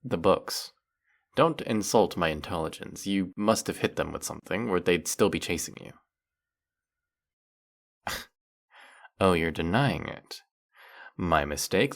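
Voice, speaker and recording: A man's voice: deep voice, expressive, a little slow, creaky, pauses often, heavily acted. A man playing a teasing, sarcastic, flirtatious male faerie in a scripted roleplay monologue, scolding the listener with dry, theatrical playfulness. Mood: sarcastic, mocking.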